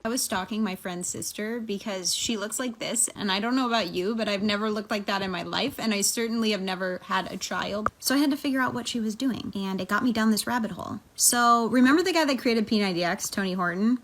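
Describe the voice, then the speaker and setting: A woman's voice: medium pitch, quick pace, hardly any pauses, fairly bright tone, a little hiss or hum, poor audio. Chatty woman in a casual testimonial.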